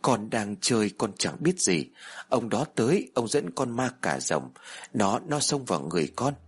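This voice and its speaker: A man voicing a timid little boy of five who speaks softly and hesitantly in a horror story. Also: lowish voice, very animated, normal speed, slightly rough.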